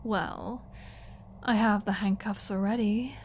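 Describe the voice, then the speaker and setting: Woman playing a slow-talking, sarcastic vampire captive. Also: medium pitch, steady tone, darkish tone, slight background noise, lightly acted. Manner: teasing, mocking, drawling delivery. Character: captive female vampire, flirty, sarcastic and defiant. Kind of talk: ASMR audio roleplay.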